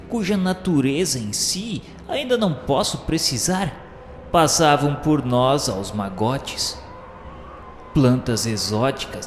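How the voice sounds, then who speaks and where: An earnest male spirit pupil narrates a dark journey for a radio drama. His delivery is slow, solemn and literary. The voice rings with heavy echo over music. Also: medium pitch. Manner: solemn, deliberate, formal. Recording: echoey long reverb with music behind.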